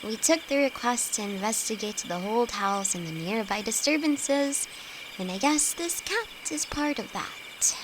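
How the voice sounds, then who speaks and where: A woman's voice: on the high side, lively intonation, measured pace. A woman acting a timid, affectionate young apprentice alchemist in an intimate audio roleplay, nervous, stammering and hesitant, speaking to her best friend. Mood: anxious, grateful. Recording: insect and cricket noise behind voice. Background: night forest ambience with crickets.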